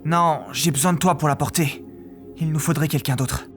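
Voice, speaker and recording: A man's voice: fairly high pitch, steady tone, normal speed, close to an everyday voice. Man acting young male adventurer, determined, impatient, informal speech, insistent, visual novel style, music bed. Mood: tense. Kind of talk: acted visual novel dialogue.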